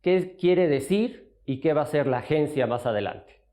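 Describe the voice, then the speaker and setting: Male studio interviewer, soft dark timbre, pitched a little high. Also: lively intonation, moderate pace.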